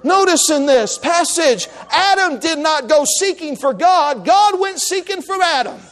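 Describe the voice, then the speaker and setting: A male preacher with a strikingly high-pitched voice delivers an evangelistic sermon. He exhorts with fervor and drives his points home by repeating short phrases. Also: animated, a little slow, fairly bright tone.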